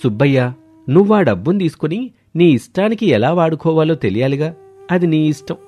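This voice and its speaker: A man playing villagers in a moral story, speaking in an earnest, deliberate way. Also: a little high, animated, mellow. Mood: earnest, advising. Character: villagers in a moral tale: greedy farmer and wise elder. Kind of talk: acted dialogue in a Telugu moral story.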